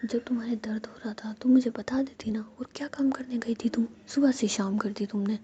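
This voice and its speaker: A woman's voice: on the high side, fairly even intonation, a little fast, dark tone, breathy edge. A woman voicing an affectionate young woman who scolds lovingly, all in a whisper. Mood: fond. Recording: dull lo-fi with faint hiss.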